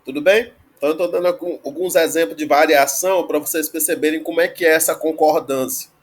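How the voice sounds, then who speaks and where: A man's voice: a little high, fairly even intonation. A man teaching a grammar lesson, explaining patiently and checking in with frequent tag questions. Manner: explanatory, frequent "né?" tag questions, slow spelled-out word forms. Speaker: Greek teacher.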